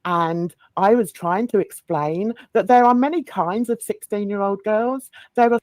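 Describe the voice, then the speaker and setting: A woman's voice: medium pitch, a little slow, darkish tone, no echo. A woman in a heated live stream debate, defensively insisting on explaining herself.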